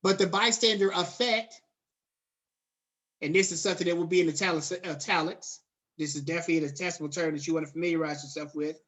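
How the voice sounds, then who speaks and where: A man's voice: on the high side, steady tone, fast talker, fairly bright tone. A middle-aged man giving a classroom lecture in a conversational way, slipping into casual slang. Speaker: college lecturer.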